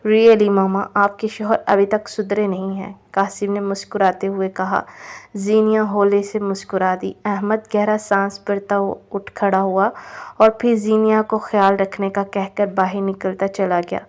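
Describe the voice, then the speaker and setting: A woman narrating a novel aloud in an even, measured reading manner. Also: medium pitch. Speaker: novel reader.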